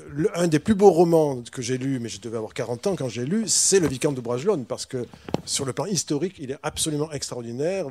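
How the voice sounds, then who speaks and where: A man's voice: medium pitch, warm tone, slight background noise. A man who is a guest historian on a panel, enthusiastic and emphatic. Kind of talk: panel discussion.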